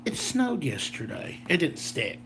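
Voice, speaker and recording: A man's voice: a little high, huge pitch swings, unhurried, background noise. A slightly tired American man rambling casually through a homemade vlog in a folksy, jokey way. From southern Illinois, United States. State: a little tired. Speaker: gadget video host.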